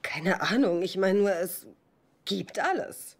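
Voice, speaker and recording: A woman's voice: medium pitch, lively intonation, slow pace, husky, full character voice. An actress playing a brash, easygoing, blunt party woman in a German sitcom dub. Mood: blunt, unbothered.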